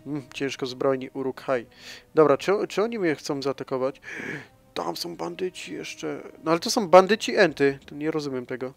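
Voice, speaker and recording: A man commentating his own strategy gameplay, thinking aloud, addressing viewers and swinging between soft mumbling and sudden loud exclamations. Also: mid-range voice, expressive, a little fast, faint music behind. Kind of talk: casual let's-play commentary.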